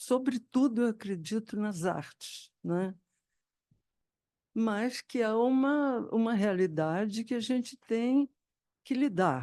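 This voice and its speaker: A woman speaks very slowly with long, frequent pauses, her fairly high voice dark and mellow, lively in intonation, and dry and close with no echo over a quiet background. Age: 90s. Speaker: film producer. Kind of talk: panel talk.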